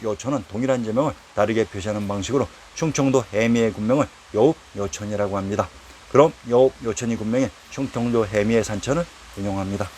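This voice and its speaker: A man reading a formal lecture on old place names, reciting quotations from historical texts at a steady, even pace. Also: fairly low pitch, slight background noise. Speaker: narrator of a history lecture series. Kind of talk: read-aloud historical lecture.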